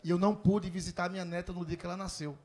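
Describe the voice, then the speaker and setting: A man's voice: high-pitched, level tone, fast talker, darkish tone, pitched below the performer's own voice, natural voice. Comedian doing a bitter little old lady. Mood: resentful. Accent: Cearense. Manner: blunt, cursing. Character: tiny bitter old woman holding a grudge.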